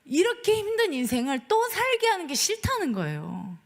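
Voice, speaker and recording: Female pastor, sermon, high voice that swoops widely, lively storytelling to the pews. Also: moderate pace. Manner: animated storytelling, acting out quoted voices; speaks directly to the congregation. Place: church sanctuary. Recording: long hall reverb in a church.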